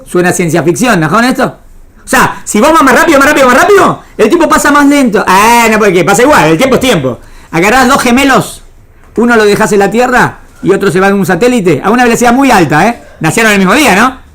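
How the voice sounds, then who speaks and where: A woman's voice: fairly high pitch, animated, fast talker, fairly bright tone. A woman with an Argentine Spanish accent teaching a small class, repeating phrases and often asking if it is understood. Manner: didactic, checking understanding with frequent questions. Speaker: religion teacher. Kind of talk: interactive lecture to a small class.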